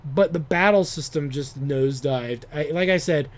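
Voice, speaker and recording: A man with a slightly higher voice rambles about old games in a loose monologue. He swears freely and keeps restarting his sentences. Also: normal speed, slight background noise. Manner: rambling, profane, restarts often. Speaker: video game talk show host. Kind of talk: casual monologue.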